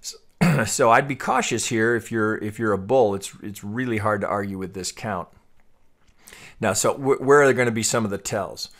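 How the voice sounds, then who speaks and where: A man with a fairly low voice talks through chart analysis as an unscripted tutorial. He thinks aloud as he goes, halting and doubling back on words in the role of a trading analyst. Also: fairly bright tone. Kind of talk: off-the-cuff chart tutorial commentary.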